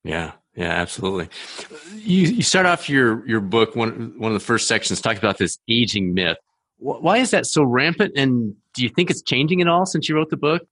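A man's voice: mid-range voice, sing-song, fairly quick, a bit bright. A man hosting a conversational interview, asking questions in a casual, chatty way. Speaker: interviewer, podcast host.

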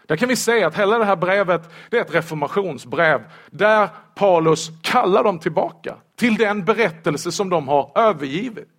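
Male preacher, high-pitched, playful sermon with rhetorical questions. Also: few pauses. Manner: lively, humorous, asks rhetorical questions. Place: church.

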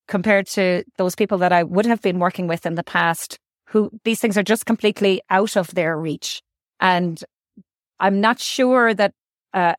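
A woman's voice: on the low side, no echo, clean studio sound. A woman doctor, answering interview questions thoughtfully and often repeating words as she thinks. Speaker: guest doctor.

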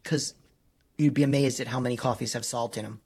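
A man from New York co-hosting a podcast, joking in a dry, low-key way. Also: fairly even intonation, fairly quick, a little mellow, husky. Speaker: podcast co-host. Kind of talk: casual chat.

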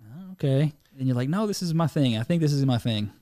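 A man guesting on a podcast as a filmmaker, chatting in an animated, self-deprecating way. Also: medium pitch, a little fast, dry recording, clean studio sound. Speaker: film director guest. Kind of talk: casual chat.

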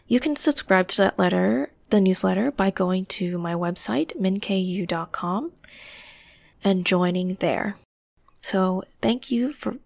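Calm woman hosting a meditation podcast. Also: medium pitch, vocal fry, dry recording. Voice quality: calming voice. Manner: soft, slow guiding with whispered breath cues. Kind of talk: guided meditation.

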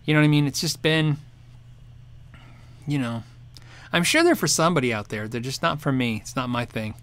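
A man's voice: mid-range voice, sing-song, fairly quick, fairly bright tone. A man hosting a guitar show, chatting casually and answering viewer questions, rambling and restarting sentences and laughing often. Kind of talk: casual live chat.

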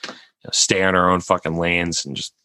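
A man with a raspy voice, hosting a casual podcast chat and rambling with many restarts. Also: sits low, flat delivery, normal speed, bright, forceful tone, dry recording.

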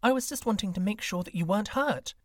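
A high, commanding female snake spirit from a storybook tale, as a man puts her on. Her lines ring clearly and firmly in a dry, close sound. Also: animated, fast talker, dry recording. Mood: gentle.

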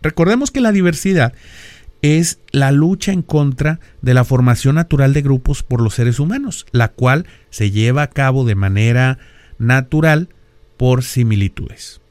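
A man's voice: mid-range voice, animated, a little slow, darkish tone, clear, resonant tone, dry recording. A middle-aged man from Mexico with a northern Mexican accent hosts a podcast, explaining ideas in a lecturing way and often throwing in rhetorical questions. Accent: Mexican (northern, Monterrey). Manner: lecturing, peppered with rhetorical questions and tag "¿verdad?". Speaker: podcast host.

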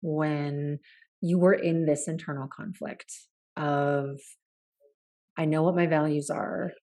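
A woman's voice: sits low, fairly even intonation, takes it slowly, mellow. A woman hosting a podcast, asking curious, probing questions that loop and restart as she works toward her point. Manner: curious, probing, talks in long looping questions. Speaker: podcast host. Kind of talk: conversational interview.

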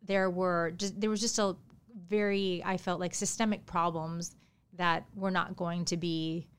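Woman author from New York, Japanese her first language, smooth and clear, a bit low. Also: a little slow. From New York City area. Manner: animated, chatty storytelling. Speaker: author, podcast guest. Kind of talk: interview storytelling.

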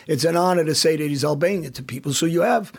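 A man with a gravelly, husky voice holds forth in casual podcast chat. He talks bluntly and with emphasis, often stopping to restart a sentence. His voice sits a little higher than most men's. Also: quick pace, darkish tone. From United States. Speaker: podcast host.

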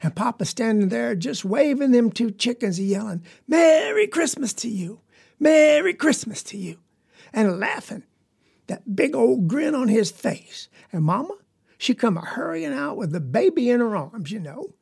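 A man telling the tale as an earnest poor country boy with a rural Southern US accent. He rambles along in a folksy drawl with a gravelly, husky grain to the voice. The tone stays sincere and simple. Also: very high-pitched, very animated, moderate pace, darkish tone, full character voice. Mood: eager. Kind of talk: storytelling monologue.

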